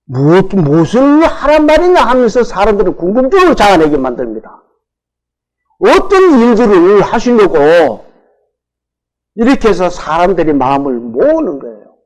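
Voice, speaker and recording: A man's voice: high voice, wildly swooping pitch, normal speed, a little mellow, lo-fi sound. A man with a Gyeongsang Korean accent preaching a sermon as pastor. He keeps asking the congregation questions, answers them himself and stretches out the words he stresses.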